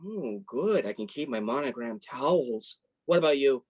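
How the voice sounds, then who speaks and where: Low, animated, supportive young journalist played by a woman. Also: moderate pace, husky, exaggerated voice. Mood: wry. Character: Tuck, supportive, self-deprecating young male journalist and best friend. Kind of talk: staged reading of a contemporary play.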